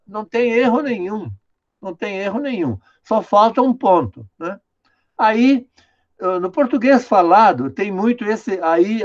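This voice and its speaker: An older man from Brazil, a linguistics professor giving an online lecture, patiently explaining a student's writing and tagging sentences with "né?". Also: sits high. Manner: patient, explanatory, many "né?" tags, directs the screen operator. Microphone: video call. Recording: dull lo-fi video call audio.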